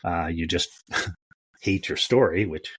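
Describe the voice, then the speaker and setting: A woman with a remarkably deep, husky voice chats informally as a podcast co-host. The sound is dry, with hardly any room on it. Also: slow pace, no room sound. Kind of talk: casual conversational interview.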